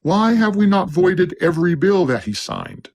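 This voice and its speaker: A man reading scripted narration in a steady, declaiming cadence. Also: high voice, normal speed, vocal fry, dull audio.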